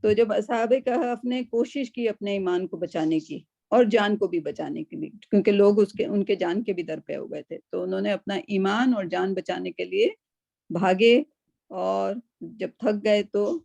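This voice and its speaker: A woman's voice: mid-range voice, vocal fry, dark tone, dry recording. A woman teaching a Quran class over a video call, explaining patiently and often checking in with her students.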